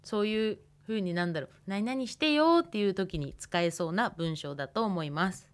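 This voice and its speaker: A woman's voice: mid-range voice, lively intonation, normal speed. Woman in her twenties, radio language teacher, thinks aloud while explaining. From Hokkaido, Japan. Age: 20s. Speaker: language instructor.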